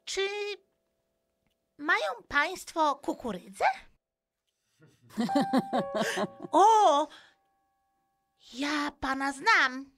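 A woman playing a timid, sorrowful young Eskimo boy in an improvised children's radio play, plaintive and drawn-out. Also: high voice, a bit bright, heavily acted. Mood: timid, polite. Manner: plaintive, drawn-out, tearful delivery.

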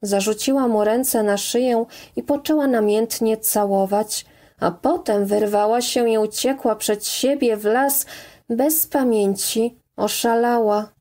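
Woman narrator, audiobook reading, slow pace, fairly high voice. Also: steady tone, warm tone. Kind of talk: scripted narration.

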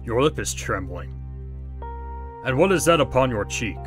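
A man plays a stern male spirit guide in an audio drama. He speaks formally and with authority, quick to sound exasperated. Music plays clearly behind him. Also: mid-range voice, big pitch swings, close to an everyday voice. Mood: solemn. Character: stern, impatient male ghost of Christmas past. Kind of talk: fan audio drama acting.

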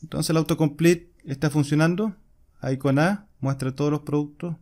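A man's voice: a little high, steady tone, moderate pace, a little mellow. A man, explaining a coding screencast step by step while he types. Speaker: programming instructor. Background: keyboard typing and clicks.

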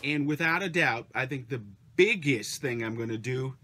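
Loud music sits behind this forties-aged male vlogger's medium-pitched voice as he speaks at a moderate pace. He chats casually to camera from a parked motorhome, relaxed with lots of "uh"s, captured on a nearby camera mic and ending on an upbeat sign-off.

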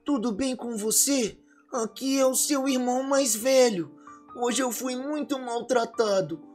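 A woman's voice: fairly high pitch, measured pace, darkish tone, soft background music, natural voice. A woman voicing a sensitive, bullied young boy who whines, sniffles and talks to the viewers in a game roleplay story. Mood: sad. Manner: whiny, tearful, talking to viewers.

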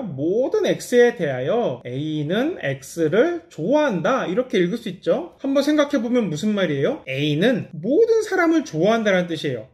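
A man's voice: sits high, reverberant. A male teacher giving a recorded lecture, explaining step by step and answering his own questions.

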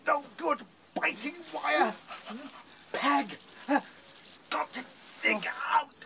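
A British man playing a fierce, gruff rabbit fighter in a radio drama. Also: very high-pitched, extremely slow, noisy background, exaggerated voice. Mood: strangled, pained.

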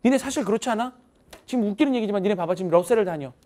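A woman's voice: mid-range voice, lively intonation, very fast, mellow. A woman math teacher giving students a chatty, motivational talk, acting out voices as she tells stories.

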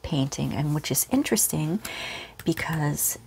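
A woman teaching a relaxed real-time painting lesson at home, speaking softly and often half-whispering. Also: deep voice, a little slow, vocal fry, slight background noise. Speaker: art teacher. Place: home studio with pets nearby.

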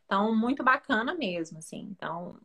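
Bright, enthusiastic woman co-host. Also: medium pitch, animated, fairly quick, breathy edge. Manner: enthusiastic, searches for words.

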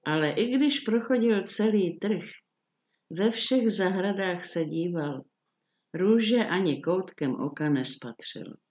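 An older woman reading a classic fairy tale aloud in a calm, measured storytelling manner. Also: fairly low pitch.

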